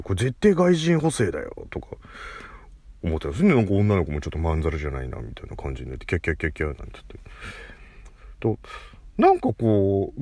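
Deep-voiced man rambling through a story. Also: darkish tone, no echo. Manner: rambling storytelling, full of fillers and restarts. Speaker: podcast host. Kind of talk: casual solo chat.

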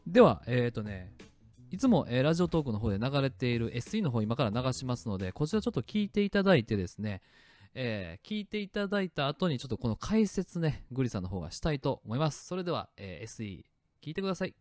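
Man, solo podcast host, casual and chatty, animated pitch, faint background music. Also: quick pace, no room sound. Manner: relaxed and chatty, many fillers, starts and stops clips. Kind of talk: casual solo talk explaining his sound effects. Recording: faint music clips playing behind.

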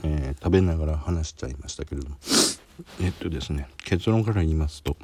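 Talking fast in a dark bass voice, with a little hiss or hum in the recording, this Kansai-accented man chats on his solo podcast while trying a spicy snack. The heat has him sweating and sniffling from a runny nose, and he pokes fun at himself as he goes.

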